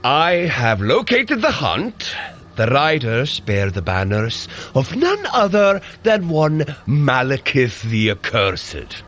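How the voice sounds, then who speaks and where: An actor playing a heroic, good-humoured thunder god in an audio drama, speaking in a grand, deliberate manner. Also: male voice, medium pitch, huge pitch swings, fairly bright tone, full character voice. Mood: reporting. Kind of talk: scripted audio drama acting.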